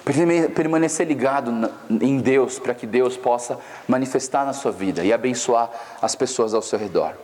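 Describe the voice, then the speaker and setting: A man's voice: mid-range voice, moderate pace, a little mellow, big-room sound. A young man from Brazil preaching at a youth camp, telling stories casually with slang. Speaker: pastor. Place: camp meeting hall.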